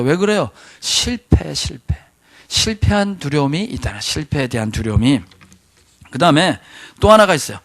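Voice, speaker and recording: A man preaching in a church sanctuary, his voice sitting a little high. He keeps the sermon animated, throwing rhetorical questions at the congregation. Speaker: pastor.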